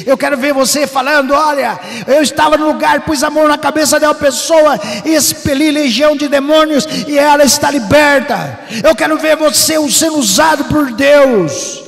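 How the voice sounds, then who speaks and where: A very high-voiced man preaching with fervor, his gravelly voice rising into shouts and chanted lines. Long reverb from a church hall trails each phrase. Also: normal speed, hardly any pauses, faint music behind. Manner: fervent, shouting bursts and sing-song preaching. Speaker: pastor. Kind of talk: Pentecostal sermon.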